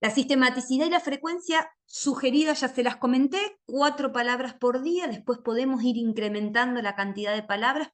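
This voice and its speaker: A woman teacher giving a literacy training lecture, speaking carefully and drawing out sounds as she models them. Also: fairly high pitch. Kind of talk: lecture with phonics demonstrations.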